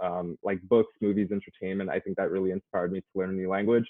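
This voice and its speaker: With a Spanish accent, a man speaks at a fairly low pitch with fairly even intonation. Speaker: student panelist and moderator. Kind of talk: online panel discussion. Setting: webinar video call.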